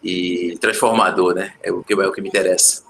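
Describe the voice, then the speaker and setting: Low, creaky and fairly bright, his voice holds a steady tone at a brisk clip. He's a composer, musician and producer guest from Pernambuco with a northeastern Brazilian Portuguese accent, chatting casually in an interview and hunting for his words, over faint background noise.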